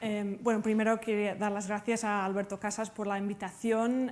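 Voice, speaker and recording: A woman speaks with monotone, flat intonation. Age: young. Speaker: art professor, researcher. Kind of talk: lecture. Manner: halting, many fillers.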